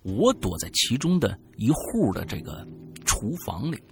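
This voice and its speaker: A man co-hosting a podcast, reading a listener's ghost story aloud in a dramatic way that swings between loud and hushed. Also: on the low side, huge pitch swings, a little slow, vocal fry. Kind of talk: spooky storytelling.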